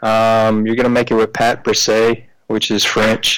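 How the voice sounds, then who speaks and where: A man speaks at medium pitch with a Southern US accent and a moderate pace. Noticeable background noise runs under his voice. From US South. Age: 30s. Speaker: chef. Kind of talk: casual interview. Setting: remote call from abroad.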